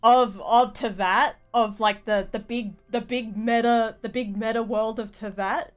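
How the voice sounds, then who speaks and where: A woman game streamer giving casual live commentary, rambling and halting as she thinks aloud. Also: on the high side, steady tone.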